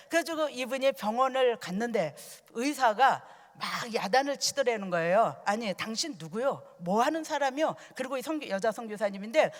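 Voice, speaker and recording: A woman pastor delivering an earnest storytelling sermon in a church, asking the congregation questions as she goes. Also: fairly high pitch. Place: church sanctuary. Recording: long reverb from a church hall.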